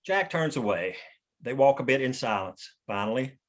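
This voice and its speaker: A man's voice: mid-range voice, expressive, moderate pace. A man narrating stage directions at a script table read.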